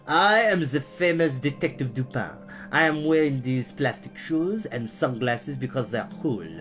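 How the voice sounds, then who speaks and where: A man voicing a sinister, vain male villain in disguise, with a wheezing, scratchy voice and a slow, smug drawl. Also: mid-range voice, expressive, a bit bright, faint music behind. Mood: scheming.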